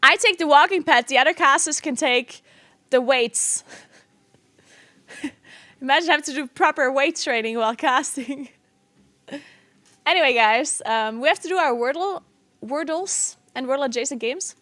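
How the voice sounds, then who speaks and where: A woman's voice: high-pitched, normal speed, pauses often, sharp tone, no echo. A woman from South Tyrol with a South Tyrolean accent in her English, chatting casually and in a giggly way as a livestreamer. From South Tyrol, Italy. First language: not English. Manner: giggly, laughs often while talking. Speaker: game streamer and esports caster.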